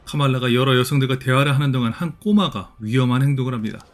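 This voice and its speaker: A man narrating a fast, scripted recap of a series over its clips. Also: medium pitch, background noise. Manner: brisk, even storytelling. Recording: voice-over with loud music underneath.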